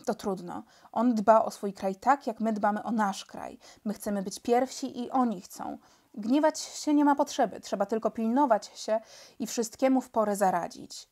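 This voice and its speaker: Lady doing a polite calm spy chief, soft-spoken gentleman, mellow tone, storybook reading. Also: fairly high pitch, normal speed, lightly acted. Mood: explaining. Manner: mild, courteous, gentle-spoken.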